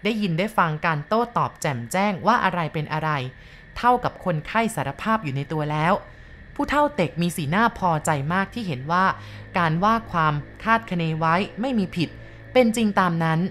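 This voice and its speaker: A woman narrating a ghost story in a slow, measured way. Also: lowish voice, animated, a bit bright, slight background noise.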